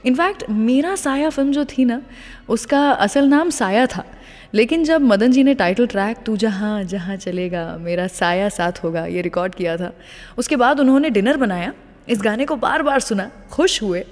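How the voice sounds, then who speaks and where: A woman's voice: fairly high pitch, moderate pace, a little mellow, big-room sound. A woman hosting a classic-music radio show, chatting and telling anecdotes between songs, slipping English phrases into Hindi. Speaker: radio host.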